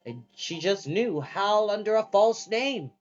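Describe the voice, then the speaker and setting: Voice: mid-range voice, expressive, a little slow, muffled recording, pitched above the performer's own voice, natural voice. A storyteller voicing an anxious, stubborn elderly woman in a storybook, fretful and hesitant.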